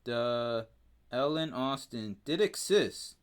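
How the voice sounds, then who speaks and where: A man with a Spanish accent reads facts aloud on a casual podcast, slowly and haltingly. He trips over names and fills the gaps with hesitations. His voice sounds smooth and clear. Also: medium pitch, lively intonation. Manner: halting reading, stumbles over names with frequent fillers. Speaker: podcast co-host.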